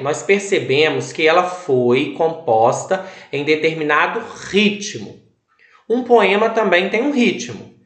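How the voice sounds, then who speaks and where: A man teaching a recorded lesson at an unhurried pace, his voice sitting a little high for a man. He lays out each point deliberately and leans on the syllables he wants heard. The sound rings in a roomy, echoey space. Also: fairly bright tone. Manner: slow, deliberate explanation, stressing syllables.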